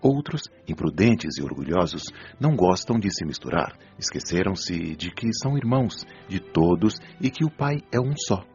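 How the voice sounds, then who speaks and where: Man playing a deep-voiced, patient Brazilian spirit doctor. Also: sing-song. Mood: solemn, teaching. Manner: didactic, measured, gently admonishing. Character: patient, wise male spirit doctor counselling souls. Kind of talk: Brazilian audio drama acting. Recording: dull lo-fi audio, music behind.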